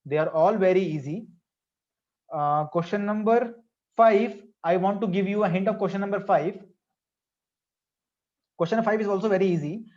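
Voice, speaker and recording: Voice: medium pitch, normal speed, pauses often, darkish tone, muffled recording. A teacher with a South Asian accent leading an interactive online maths class, repeating phrases and questions to prompt pupils.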